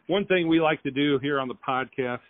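A man of average pitch hosts a casual local radio interview. His voice comes through thin and narrow, like a telephone line. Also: fairly quick. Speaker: radio and podcast host. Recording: tinny phone-like sound.

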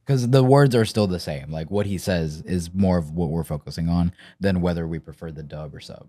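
A man's voice: low-pitched, a little fast, mellow. A man chatting casually as a podcast co-host, conversational and often checking that listeners follow. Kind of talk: casual chat.

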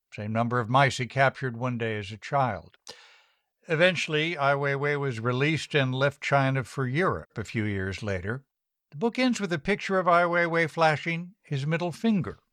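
A man hosting a radio news program, reading his script in an even, measured way. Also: medium pitch, dry recording, studio quality.

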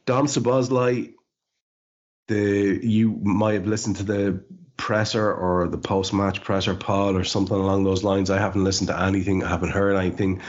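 A man's voice: low-pitched, flat delivery, normal speed, a little mellow. A man hosting a casual podcast chat who leads the discussion and puts questions to his co-hosts. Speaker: podcast host. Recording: dull lo-fi podcast audio.

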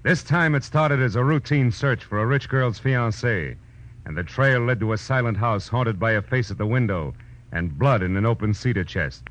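An American actor playing a hard-boiled, wry and quietly wistful private detective in a 1940s radio drama, laconic and dry. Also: male voice, medium pitch, expressive, moderate pace, natural voice. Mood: tense, gritty. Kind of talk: 1940s radio detective acting, first-person narration. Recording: muffled vintage radio broadcast, prominent music.

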